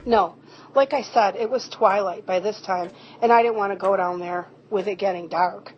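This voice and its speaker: A woman's voice: mid-range voice, moderate pace, close to an everyday voice. A woman playing a friendly rural eyewitness in an amateur audio drama, telling things in a folksy, descriptive way. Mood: plain, earnest. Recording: muffled, noisy home recording.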